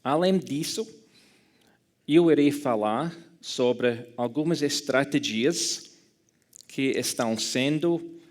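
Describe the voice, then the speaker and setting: A man from Scotland giving an academic lecture in a second language with a Scottish English accent, careful and halting, correcting himself as he goes, with dry humor. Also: mid-range voice. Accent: Scottish English speaker speaking Portuguese.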